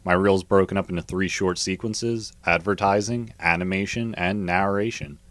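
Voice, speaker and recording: A man's voice: deep voice, fairly even intonation, moderate pace, a bit bright, dry recording. A man working as a voiceover artist, reading scripted narration and advertising copy.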